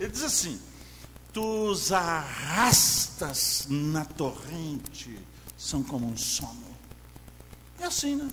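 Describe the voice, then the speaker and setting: Amid audible room echo and noticeable background noise, a man speaks at a very slow pace with long, frequent pauses. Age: 60s. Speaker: pastor. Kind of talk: sermon.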